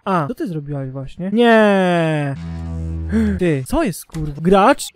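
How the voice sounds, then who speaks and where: A man streaming games, reacting with constant swearing, laughter and excited shrieks. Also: a little high, slow, faint music behind. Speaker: gaming streamer. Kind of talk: reactive gameplay commentary.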